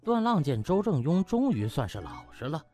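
A man narrating a comic audiobook in an animated storytelling style. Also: fairly high pitch, moderate pace. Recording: music bed behind.

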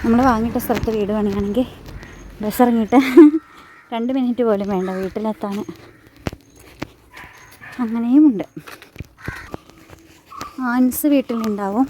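A woman's voice: a little high, fairly even intonation, moderate pace, pauses often, dark tone, a little hiss or hum. A middle-aged woman from Kerala, India, narrating a casual family vlog in a chatty way, talking straight to her viewers as she walks home. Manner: chatty, addresses viewers directly with tag questions. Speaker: family vlogger. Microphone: handheld phone.

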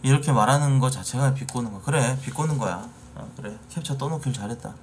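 A man ranting at his chat during a live stream, swearing and building into angry shouts. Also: medium pitch, a little fast, slight background noise. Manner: angry, profane, rising to shouting. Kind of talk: casual live-stream rant.

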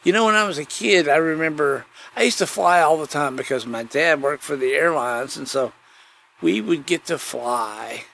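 Gravelly, folksy man rambling casually. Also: fairly high pitch, animated, normal speed, fairly bright tone, slight background noise. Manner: folksy, digressive, repeats phrases. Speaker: podcast host. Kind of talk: rambling casual solo chat.

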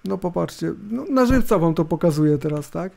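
A man's voice: a little high, animated, brisk, gravelly, darkish tone. A middle-aged man gives casual, rambling, hesitant commentary on a screencast, with laptop fan noise hissing behind him. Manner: informal, rambling, hesitant, with tag questions. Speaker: host of a tech review video. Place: indoors at a computer. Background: laptop fan hum.

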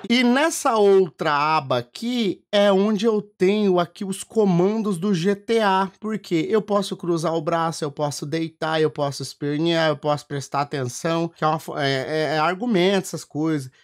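A high-voiced Brazilian man walks viewers through his streaming setup. He talks casually and keeps pointing things out on screen. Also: moderate pace, hardly any pauses. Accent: Brazilian Portuguese. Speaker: streamer and content creator. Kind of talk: casual tech demo.

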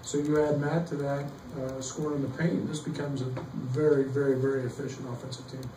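A middle-aged man, a basketball coach, answering questions at a postgame press conference, halting with many fillers and restarts. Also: mid-range voice, flat delivery. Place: press room behind a table. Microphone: table mic, heard from some distance. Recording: echoey room, distant mic, faint noise.

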